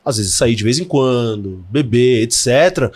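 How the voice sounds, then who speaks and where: A man's voice: medium pitch, lively intonation, moderate pace, a little mellow, slightly rough. A man hosting a podcast interview, talking in a conversational way. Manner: conversational, tags lines with "né". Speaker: podcast host. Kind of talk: interview questions.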